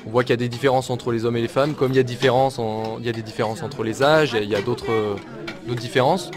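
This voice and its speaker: A man's voice: mid-range voice, steady tone, music in the background. A man who works for a community association, interviewed outdoors at a street market, explaining his view thoughtfully with a few restarts. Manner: thoughtful, slightly halting.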